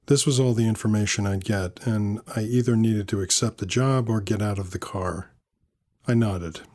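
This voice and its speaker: A man narrating a scripted first-person story in a measured, dry, wry manner. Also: on the low side, a little mellow.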